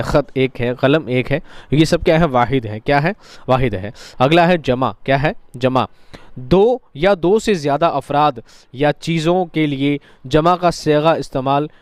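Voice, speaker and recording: A man's voice: fairly high pitch, clean tone, no room sound. Male teacher quizzing and answering himself. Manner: asks students questions and answers them himself; repeats key points patiently. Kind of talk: recorded grammar lesson.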